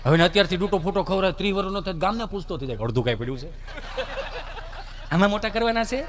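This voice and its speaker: A man telling folk comedy stories on stage, animated and putting on voices. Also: high voice, racing, over music. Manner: animated, acts out voices, rustic asides. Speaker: stand-up comedian. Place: live stage show.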